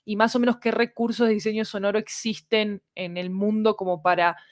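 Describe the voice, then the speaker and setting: A woman's voice: medium pitch, flat delivery, brisk. Latin American woman explaining in casual conversation. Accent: Latin American Spanish. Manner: explanatory, checks in with tag questions. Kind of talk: casual conversational podcast talk.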